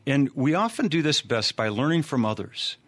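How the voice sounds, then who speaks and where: A man's voice: medium pitch, big pitch swings, normal speed. A man hosting a Christian radio program, asking friendly, leading interview questions.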